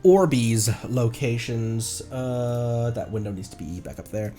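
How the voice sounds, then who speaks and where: Male streamer for casual gameplay talk; unhurried, rambling, animated pitch, light music behind. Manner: rambling, muttering to himself, playful. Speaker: streamer, VTuber host. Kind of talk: casual live gameplay commentary. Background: game music.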